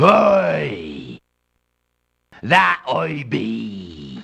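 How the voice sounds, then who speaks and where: A man puts on a character voice, raspy and very deep. His pitch sits very low. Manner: exaggerated, mock-nautical.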